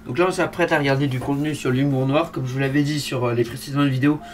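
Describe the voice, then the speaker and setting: A man's voice: medium pitch, steady tone, quick pace, soft background music. A man hosting a reaction video with casual, slangy, informal commentary.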